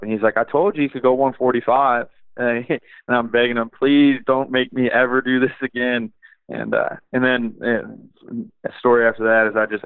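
A young man, an assistant wrestling coach, talking in a relaxed, rambling way with many fillers, in a podcast interview over a phone line. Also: fairly low pitch, clear, resonant tone, no room sound. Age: young adult.

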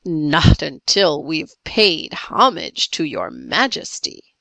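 Woman playing a grandiose, slow-spoken pirate chief. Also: sits low, very animated, vocal fry, pushed and bright, no echo, voice pushed down, exaggerated voice, poor audio. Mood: grave, lofty. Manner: pompous, declamatory, solemn. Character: grave, grandiose male pirate chief, theatrically courtly. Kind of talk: storybook character voice.

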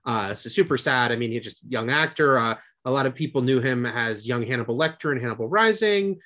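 A man's voice: medium pitch, animated, fairly quick, fairly bright tone. A man co-hosting a podcast in casual chat, chatty and full of fillers and restarts. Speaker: podcast co-host.

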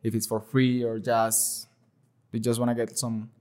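A man's voice: mid-range voice, a little slow. Colombian dude in his 20s, spanish native, chill podcast guest, lots of "you know". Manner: relaxed, loose non-native phrasing with many fillers. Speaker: guest, liquor store owner. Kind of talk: casual podcast chat.

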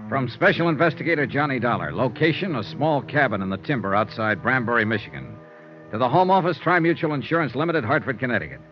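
A man's voice: medium pitch, lively intonation, fast talker, music in the background, close to an everyday voice. A man playing a dry, wry radio investigator. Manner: dry, matter-of-fact, businesslike. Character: tough, wry male insurance investigator. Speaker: insurance investigator lead. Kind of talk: 1950s radio drama acting and narration. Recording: dull old radio broadcast with faint hiss.

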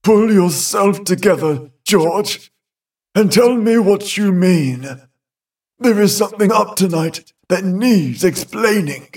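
A flustered elderly gentleman, head of a haunted household, as a male reader puts him on. He speaks slowly in a raised, husky voice, blustering and then ordering everyone about. The voice sits a little back from the mic. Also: high voice, animated, far from the mic, pitched above the performer's own voice, full character voice. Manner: blustering, exclaiming, then commanding.

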